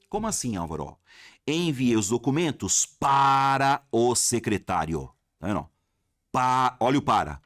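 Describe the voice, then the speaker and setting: Animated Brazilian grammar teacher, lively pitch. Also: male voice, dry recording, clean studio sound. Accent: Brazilian Portuguese. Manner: animated, addresses viewers as "galera", asks himself questions. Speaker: Portuguese teacher. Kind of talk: exam-prep grammar lesson.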